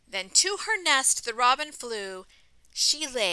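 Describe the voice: The clip consists of plain reading aloud.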